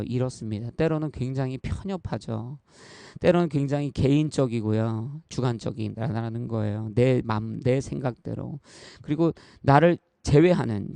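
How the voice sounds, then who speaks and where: A man's voice: medium pitch, creaky, dark tone, dry recording. A man in his thirties preaching a sermon as a pastor, earnest and conversational, often turning to address the congregation directly and telling personal stories. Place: church.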